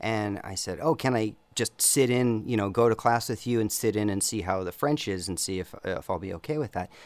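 In a Pacific Northwest accent, a man talks at a fairly quick pace with hardly any pauses and ordinary pitch variation. His voice is fairly low, and the recording is very clean with a silent background. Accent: Pacific Northwest American English. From US Pacific Northwest. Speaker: linguist researching speech production. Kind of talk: casual interview conversation. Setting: studio with ultrasound probe under tongue.

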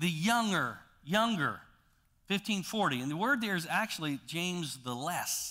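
With lively intonation, someone reads aloud in a natural voice.

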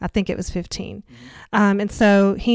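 The voice is monotone and flat, at a moderate pace, in a very clean recording with a silent background. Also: woman. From Kentucky. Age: 40s. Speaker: former homeschooling mother, recent graduate. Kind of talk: interview. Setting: studio.

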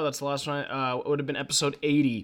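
The voice has a Canadian Prairies accent and a bright, sharp tone. The recording is very clean, with a silent background. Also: man. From Canada, Winnipeg. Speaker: sports podcast host. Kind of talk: casual monologue. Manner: animated.

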